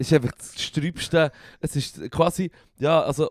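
The recording is very clean, with a silent background and a dry, close sound with no echo. A man speaks at a fairly high pitch with fairly even intonation. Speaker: podcast co-host. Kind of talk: casual chat.

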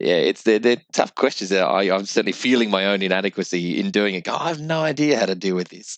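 A man with an Australian accent at a very fast pace, fairly low in pitch, with hardly any pauses, in a dry, close sound with no echo and a quiet background. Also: lively intonation. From eastern suburbs of Sydney, Australia. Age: young. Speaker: philosopher and podcast co-host. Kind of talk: casual chat.

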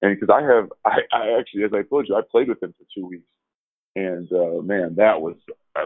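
In an ordinary speaking voice, a man talks at a moderate pace and fairly low pitch, with ordinary pitch variation. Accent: American. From US Midwest, Chicago. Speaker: professional basketball player. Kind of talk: casual chat.

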